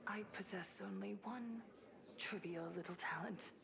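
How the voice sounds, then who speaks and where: A woman's voice: mid-range voice, measured pace, gravelly, a crowd in the background. A woman playing a haunted, grieving young survivor in a dramatic video game. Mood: calm, eerie.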